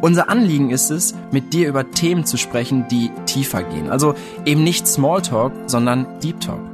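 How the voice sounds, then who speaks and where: A man's voice: mid-range voice, expressive, moderate pace. A man reading a scripted podcast introduction that welcomes the listener. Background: guitar music.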